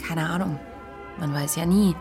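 A woman's voice: low-pitched, steady tone, normal speed, over music. An actress playing a cool, sardonic woman in her thirties in a naturalistic radio drama, with a dry, blunt delivery. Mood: casual, dry. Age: 30s.

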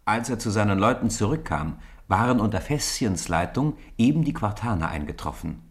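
A man's voice: on the low side, moderate pace. A man narrating a children's radio play as a scripted, theatrical storyteller. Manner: theatrical, animated delivery.

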